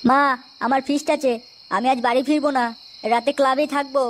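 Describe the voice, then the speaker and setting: A woman's voice: high voice, fairly even intonation, fast, noisy background, lightly acted. A woman voicing a sneaky, cowardly young womanizer in a comic cartoon, crude and flustered in manner. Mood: sheepish. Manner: crude, flustered, muttering asides. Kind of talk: exaggerated comic cartoon dialogue.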